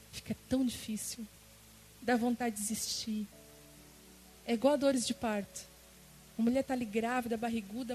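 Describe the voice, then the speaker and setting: A woman's voice: fairly high pitch, darkish tone, rough recording. A woman pastor from Brazil preaching a sermon in church, emotive, repeating words for emphasis and acting out her own prayers. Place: church service.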